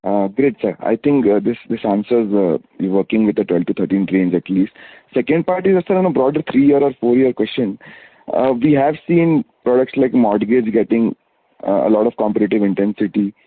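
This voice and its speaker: A man's voice: lowish voice, normal speed, breathy edge, no echo. A man with an Indian accent asking questions as an analyst on an earnings call, polite and a little hesitant. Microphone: phone. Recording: dry, thin phone line.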